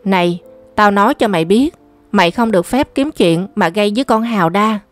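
Harsh quick-tempered stepmother scolding, mid-pitched, as a woman narrator reads her. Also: faint music behind, lightly acted. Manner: scolding, cursing.

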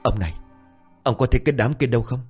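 A man voicing an angry older village father, blunt and gruff. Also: medium pitch, darkish tone, soft background music, voice pushed up, close to an everyday voice. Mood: bewildered. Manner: blunt, gruff, quick-tempered.

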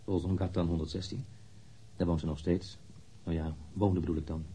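A guarded witness in a radio play, an engineer with a low, mellow and very husky voice. He answers curtly and reluctantly, with an irritable edge. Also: flat delivery, normal speed. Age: 30s. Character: reluctant, guarded thirty-three-year-old male engineer being questioned. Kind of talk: radio drama acting.

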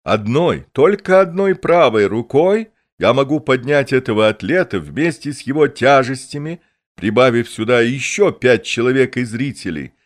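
A man voicing a boastful grown male circus clown who announces his acts to the crowd in a pompous, drawn-out showman's voice. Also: medium pitch, lively intonation, pitched above the performer's own voice, natural voice. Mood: grandiose.

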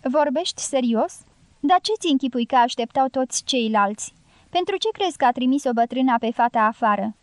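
A woman reading the part of a tipsy male gypsy guerrilla who keeps urging in a low, insistent voice. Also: lively intonation, no room sound. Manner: urgent low prodding, half-whispered.

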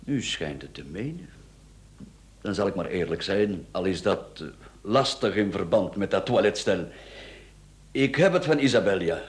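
A cheeky Flemish rogue in a radio drama, his voice on the low side. He is smooth-talking and glib, teasing his questioner with flippant ease. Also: big pitch swings, moderate pace, long pauses. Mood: glib, evasive. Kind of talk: radio play dialogue.

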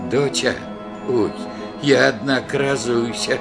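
Halting, folksy old village father. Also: medium pitch, vocal fry, over music. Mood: humble, meandering. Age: older. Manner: hesitant, folksy rustic speech with halting fillers. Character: humble, devout old village father visiting his daughter. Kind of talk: naturalistic stage-style radio drama acting.

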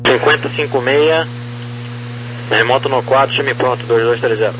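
A man working as an air traffic controller, reading clipped clearances over a crackly aviation radio. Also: medium pitch, fairly even intonation, moderate pace, fairly bright tone. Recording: dull, noisy, humming radio transmission.

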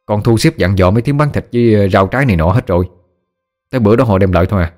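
A man with a Southern Vietnamese accent voicing a practical grown daughter who talks briskly and reassuringly. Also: on the low side, darkish tone, soft background music, lightly acted.

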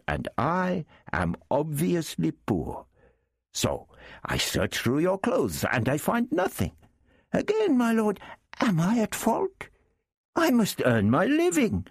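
A man putting on a high fawning thief. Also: vocal fry, slightly rough, dry recording, studio quality, full character voice. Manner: fawning, keeps saying my lord. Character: wily overly polite male desert thief.

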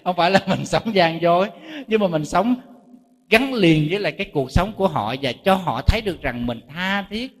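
A male Buddhist monk with a Southern Vietnamese accent giving a lively sermon, often asking the audience rhetorical questions. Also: high voice, brisk. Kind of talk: dharma talk sermon. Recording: long reverb hall.

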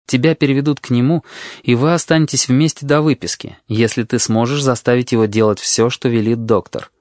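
A man voicing a tired older male caretaker who talks calmly and quietly firmly. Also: mid-range voice, fairly quick, dry recording, clean studio sound, natural voice. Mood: weary. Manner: calm, weary, quietly firm.

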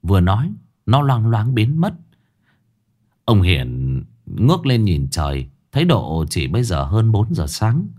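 Man reading a scary story, lowish voice, pitch swinging all over, music under it. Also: huge pitch swings, a little slow, darkish tone. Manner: dramatic storyteller. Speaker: horror story narrator. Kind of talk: scripted ghost story narration.

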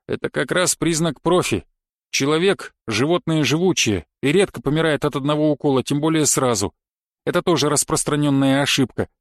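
A man's voice: fairly high pitch, dry recording, clean studio sound, lightly acted. A man voicing a pedantic male knife-fighting coach who lectures dryly and thoroughly in an audiobook. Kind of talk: audiobook character reading.

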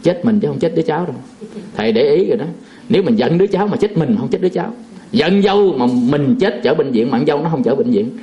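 A man's voice: fairly high pitch, expressive, fast, warm tone. A man, a Buddhist monk telling a folksy, chuckling story in a sermon, full of fillers.

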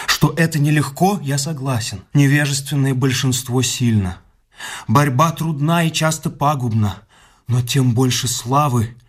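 An actor playing an anguished, idealistic young husband in a radio drama, impassioned and pleading, stammering and repeating himself. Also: male voice, medium pitch, slightly rough. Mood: fervent, lofty. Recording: studio radio play with loud music. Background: music.

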